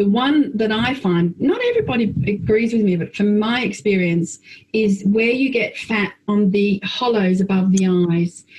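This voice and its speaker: An Australian accent at a moderate pace, with ordinary pitch variation and very even loudness. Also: woman. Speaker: equine vet professor; guest. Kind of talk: interview. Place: home room. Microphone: video call.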